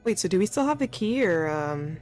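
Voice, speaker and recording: Soft music plays as a woman with a fairly low, darkish voice comments, very animated and a little quick. Reading visual novel dialogue aloud, she thinks out loud with informal, playful slang.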